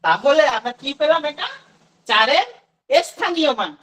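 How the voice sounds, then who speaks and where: High-voiced woman teaching a demo class. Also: big pitch swings, moderate pace, a bit bright, distant mic, rough recording. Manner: asks questions and answers them herself. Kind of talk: demo lesson for children.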